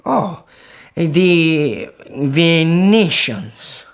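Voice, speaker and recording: An actor playing an eager, proud young Muslim nobleman's son in a historical radio drama, husky, with formal, halting learner's speech. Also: fairly high pitch, animated, heavily acted. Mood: earnest.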